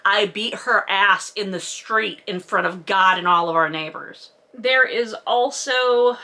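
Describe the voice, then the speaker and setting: Bright-voiced woman giving a sarcastic book recap. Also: on the high side. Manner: sarcastic, wry asides. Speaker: book recap host, reviewer. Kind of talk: casual comedic book recap commentary.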